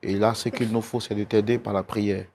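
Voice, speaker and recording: A man's voice: lowish voice, level tone, brisk, a little mellow. A male talk show host on a studio set, pleading and soothing a guest over and over in an emotional testimony show. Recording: noisy studio recording.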